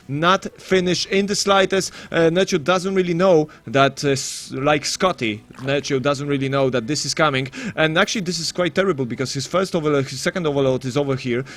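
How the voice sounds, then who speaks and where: A man casts an esports match in a slightly high voice. He chats to viewers like mates, rambling into jokey banter, then slipping into playful announcer phrasing before returning to casual game commentary. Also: a bit bright.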